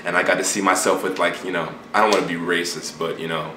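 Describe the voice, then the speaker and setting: A man recounts a dream in a casual, puzzled and musing monologue. His voice is fairly low but bright and forward, and he rambles conversationally with slangy asides. The room is echoey, with faint noise behind him. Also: fairly even intonation, quick pace. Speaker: YouTuber recounting a dream to viewers.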